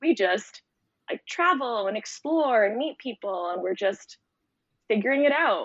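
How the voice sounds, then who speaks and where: With a Canadian accent, the speaker goes at a fairly slow pace while the pitch swings very widely. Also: woman, fairly high pitch for a woman. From Toronto, Canada. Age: 20s. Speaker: retreat host and TikTok content creator. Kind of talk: casual chat.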